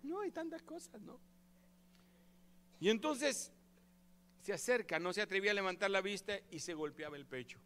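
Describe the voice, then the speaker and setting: A man preaching a sermon as pastor, lively and acting out the prayers he describes. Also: sits high, normal speed, pauses often. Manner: animated, acts out quoted prayers and voices.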